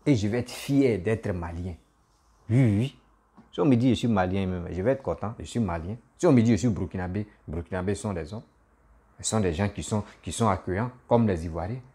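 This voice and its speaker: Male comedian-vlogger, deep warm voice, animated and repetitive. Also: brisk. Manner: animated, repetitive, laughs at himself. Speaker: comedian and YouTuber. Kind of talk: casual political commentary vlog.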